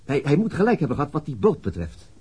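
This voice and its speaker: An actor playing a dogged, weary male police detective in a Dutch radio drama, speaking haltingly. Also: on the high side, huge pitch swings, a little mellow, husky, full character voice. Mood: eager. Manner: hesitant, halting.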